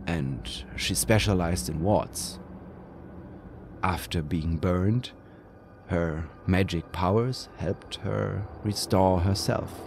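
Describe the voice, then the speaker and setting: A man reads a horror story aloud in a slow, brooding manner, sometimes sinking into a whisper. His voice sits fairly low with a gravelly texture, and his pacing is very unhurried. Faint music plays beneath him. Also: a little mellow, a little hiss or hum. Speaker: narrator. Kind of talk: dramatic scripted horror narration.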